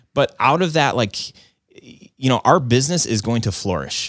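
An ordinary speaking voice from a man, lively intonation at a moderate pace, with a dry, close sound with no echo. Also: very clean recording, silent background. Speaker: video producer, guest. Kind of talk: casual conversational interview. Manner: chatty, laid-back.

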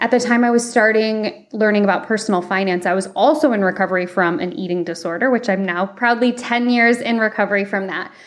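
Very fast speech with an American accent and ordinary pitch variation. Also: woman, fairly high pitch for a woman. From rural Michigan, US. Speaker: financial therapist. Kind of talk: interview conversation.

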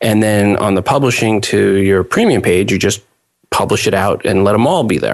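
A man's moderate pace and fairly low pitch in an unremarkable speaking voice. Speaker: podcast hosting company rep. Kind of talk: recorded interview.

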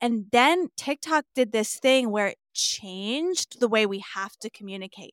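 Recorded very cleanly against a silent background, with a dry, close sound and no echo, a woman speaks at a fairly high pitch with lively intonation in a plain, everyday voice. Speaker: podcast co-host. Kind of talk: podcast interview conversation.

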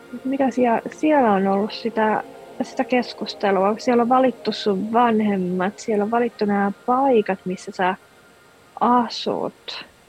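Speaking at a very slow pace with fairly even intonation, a woman uses a fairly high pitch while noticeable background noise runs underneath. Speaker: energy healer. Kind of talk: healing session. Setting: video call.

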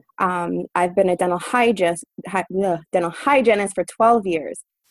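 A woman with an American accent and a normal speaking voice talks at a moderate pace in a fairly low pitch, the sound dry and close with no echo. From Boston. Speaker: dental hygienist, association president.

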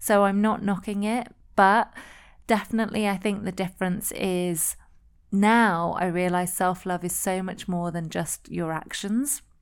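A woman with a normal speaking voice at medium pitch talks at a fairly slow pace with fairly even intonation in a very clean recording with a silent background. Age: 40s. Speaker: podcast host and executive coach. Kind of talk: solo podcast monologue.

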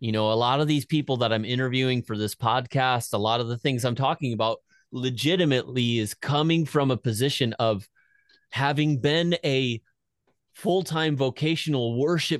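A man with a normal speaking voice talks at medium pitch with ordinary pitch variation, recorded with a dry, close sound with no echo against a quiet background. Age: 40s. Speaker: worship leader and podcast host. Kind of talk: casual interview chat.

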